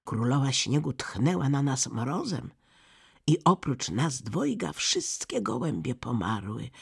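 A storyteller voicing a pair of cooing pigeons in a husky, creaky voice. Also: medium pitch, sing-song, slow, exaggerated voice. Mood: telling.

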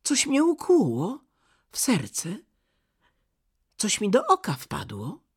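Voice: medium pitch, wildly swooping pitch, takes it slowly, slightly rough, voice pushed up, heavily acted. A reader voicing a sneering, cold-hearted boy. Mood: hurt. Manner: sneering, loud, scornful.

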